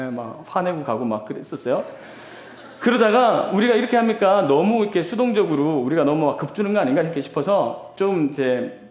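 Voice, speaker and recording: A man preaching to a young crowd, telling stories in a playful way and laughing often. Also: a little high. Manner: animated, playful storytelling with laughs. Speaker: pastor. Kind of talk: sermon. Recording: echoey hall.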